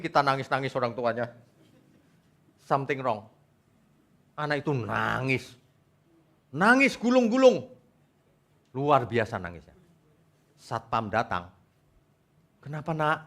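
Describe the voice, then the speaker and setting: A man's voice: mid-range voice, fairly bright tone. A male pastor preaching a sermon to his congregation in church, asking them questions. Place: church service before a congregation.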